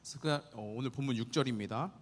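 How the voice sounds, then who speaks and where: A young adult man preaching a sermon to teenagers, earnest and animated, often asking the listeners questions. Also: mid-range voice, brisk, in a large hall. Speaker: youth pastor.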